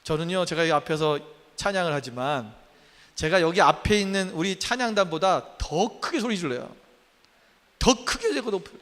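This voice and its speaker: A pastor in his fifties preaches to his congregation with a high, bright voice. His pitch swings widely and he keeps firing questions at the listeners. The sound rings with a long church-hall reverb. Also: expressive, normal speed. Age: 50s. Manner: emphatic, asks the congregation many questions. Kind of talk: sermon. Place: church sanctuary.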